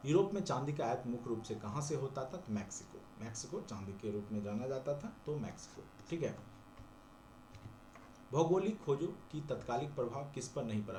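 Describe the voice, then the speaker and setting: A man's voice: medium pitch, mellow. A man with an Indian accent teaching an exam-prep class in question-and-answer style, repeating points for emphasis. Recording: echoey room with noticeable background noise.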